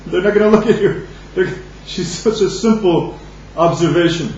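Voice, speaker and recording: Halting man teaching in a very echoey room. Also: high-pitched, a little mellow. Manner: halting, restarts phrases, reads Aramaic then explains in English. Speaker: Talmud teacher. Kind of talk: daily Talmud study lesson. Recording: distant, dull lo-fi mic in an echoey room with faint hum.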